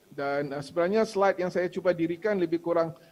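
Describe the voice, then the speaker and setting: A man with a Malaysian accent speaks with ordinary pitch variation. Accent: Malaysian Malay. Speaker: university lecturer, architect. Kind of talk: seminar presentation. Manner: hesitant, many fillers.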